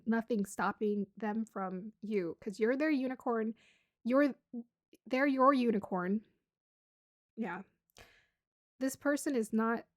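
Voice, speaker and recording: A woman doing a casual tarot reading to camera, chatty and bubbly, laughing often and a little hoarse from losing her voice. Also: a little high, dry recording. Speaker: tarot reader.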